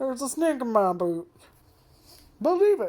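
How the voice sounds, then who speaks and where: A female-sounding speaker uses a cartoonish character voice, high-pitched with very wide pitch swings, at a moderate pace. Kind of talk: toy-like, cartoonish. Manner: repetitive, mechanical, catchphrase-like.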